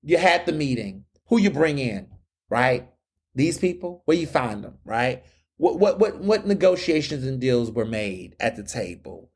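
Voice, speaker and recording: A man's voice: mid-range voice, big pitch swings, unhurried, darkish tone, husky. A young man from Houston hosting his podcast, ranting in a fiery, sarcastic monologue full of rhetorical questions. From Houston, Texas. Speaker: podcast host. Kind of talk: opinion monologue.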